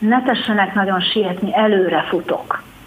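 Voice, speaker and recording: A woman's medium-pitched voice at a fairly slow pace over noticeable background noise. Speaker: film director and festival director. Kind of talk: radio interview. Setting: phone call. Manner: animated.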